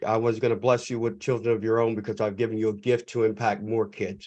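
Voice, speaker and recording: A man with an American accent talks at a fairly quick pace and a medium pitch. His intonation is monotone and flat, and the background is quiet. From US South. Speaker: youth leadership coach. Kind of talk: self-introduction. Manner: fast; passionate.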